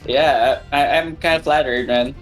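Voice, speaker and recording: A man's voice: medium pitch, steady tone, a little slow, soft background music. A man co-hosting a movie podcast, playful and laid-back as he jokes around. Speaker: podcast co-host. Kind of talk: casual podcast banter.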